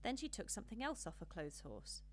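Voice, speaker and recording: A woman reading a children's storybook as an audiobook narrator, with an expressive, measured storytelling delivery. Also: mid-range voice, slight background noise.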